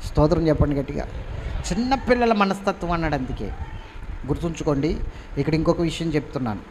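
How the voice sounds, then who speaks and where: A man preaching a sermon, emphatic and urging his congregation to respond. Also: fairly high pitch. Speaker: pastor. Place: church hall. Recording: reverberant hall, faint background noise.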